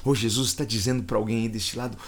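A man's voice: medium pitch, fairly even intonation, quick pace. Man, Brazilian accent, preacher, livestreamed sermon, fervent, repeats phrases, voice swells with emotion. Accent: Brazilian Portuguese.

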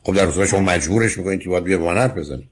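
A man's voice: sits low, husky. A man hosting a radio call-in advice show, firmly lecturing and questioning a caller. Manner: firm, lecturing, interrupts with questions.

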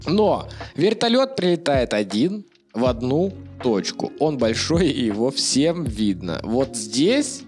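A man's voice: mid-range voice, sing-song, takes it slowly. A man co-hosting a casual video game podcast, talking in a slangy, conversational way with some swearing. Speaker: podcast co-host. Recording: music under the voice. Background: background music.

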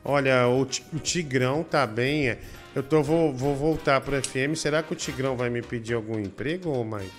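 A man's voice: medium pitch, moderate pace. A man runs his live stream in loose, rambling chat. He shows objects to the camera and keeps tagging his talk with little fillers. Faint music plays underneath. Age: adult with a daughter. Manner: rambling, full of "né?" and "ó" tags.

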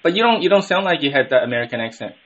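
A man's voice: on the high side, sing-song, racing, fairly bright tone, muffled recording. An Australian man hosting a podcast interview, asking long, rambling questions with many restarts. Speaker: podcast host. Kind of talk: casual interview.

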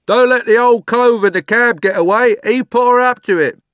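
A man's voice: high-pitched, animated, moderate pace, a bit bright, no echo, pitched above the performer's own voice. A man voicing cheeky London street onlookers with Cockney accents in a storybook reading. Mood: cheeky, excited. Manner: cheeky, jeering.

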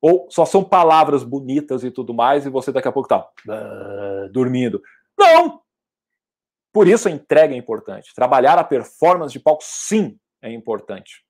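A man, a public speaking trainer, answering questions in a lively, emphatic way with sudden loud outbursts. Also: medium pitch, a little fast, hardly any pauses. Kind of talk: casual teaching, answering audience questions.

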